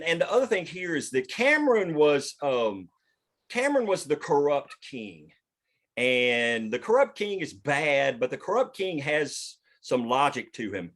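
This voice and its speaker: A man leading a table read, talking casually through a story in a halting way, pausing mid-sentence to find his words, with some casual swearing. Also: mid-range voice, fairly bright tone. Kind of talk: casual group discussion explaining a story.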